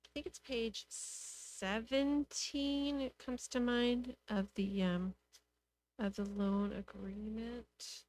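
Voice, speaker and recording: A woman speaking as a city official, giving measured, matter-of-fact explanations at a public meeting. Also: fairly high pitch, fairly even intonation, darkish tone. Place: council meeting room. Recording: clear background noise and hum.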